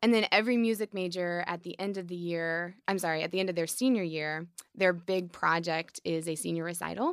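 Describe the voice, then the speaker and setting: Recorded very cleanly against a silent background, a woman talks in a normal speaking voice at a fairly quick pace with hardly any pauses. Her pitch is fairly low, with ordinary pitch variation. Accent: American. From Colorado, Denver. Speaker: church worship leader. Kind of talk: casual interview.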